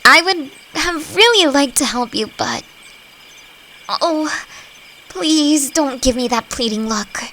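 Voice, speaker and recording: A woman playing a friendly, thoughtful forest elf in a roleplay audio drama, talking gently and reflectively to the listener. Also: high-pitched, lively intonation, slow, pauses often, heavily acted. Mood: reluctant, giving in. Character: friendly, thoughtful female forest elf, long-lived and curious. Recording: faint noise, nighttime forest insect ambience. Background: crickets and forest ambience.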